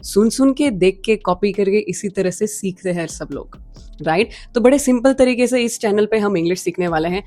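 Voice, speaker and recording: A young woman with a mid-pitched voice hosts a lesson and explains things patiently, repeating her key points. Faint music plays behind her. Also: expressive, moderate pace, warm tone. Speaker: English teacher, channel host. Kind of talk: Hinglish video lesson.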